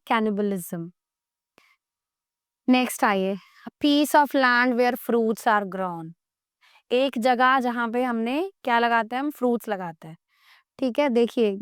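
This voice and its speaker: Clear-voiced Indian woman teaching English. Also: a little high, dry recording, studio quality. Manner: explains in Hindi, reads English definitions slowly, asks the class questions. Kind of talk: classroom vocabulary lesson.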